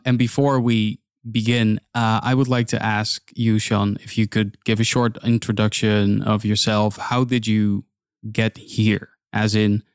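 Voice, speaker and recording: A man's voice: fairly low pitch, clear, resonant tone, dry recording, studio quality. A man hosting a podcast interview, polite and a little hesitant, with frequent um's. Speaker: podcast host.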